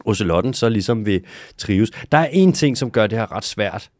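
A man with a lowish voice chats casually as a podcast co-host, explaining animal facts with swearing and easy laughter. The sound is close and dry, with no room around it. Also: expressive, a little mellow, no echo. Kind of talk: casual chat about animals.

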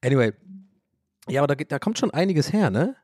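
A man's voice: fairly high pitch, very animated, quick pace, a little mellow, no echo, studio quality. A man from Ireland hosting a podcast, rambling and joking in casual chat, swearing and mocking himself. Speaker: podcast host.

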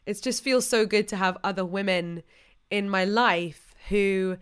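Young woman hosting a podcast, smooth clear voice, gushy and upbeat. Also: mid-range voice, a little slow. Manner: gushing, friendly, upbeat. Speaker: podcast host. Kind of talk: casual interview chat.

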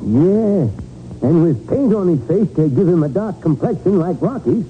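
A narrow, faintly noisy vintage radio recording carries a reluctant police chief. His voice is on the high side, folksy and tired, full of grudging hesitation. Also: lively intonation, normal speed. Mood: hesitant. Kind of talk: 1940s radio crime drama acting.

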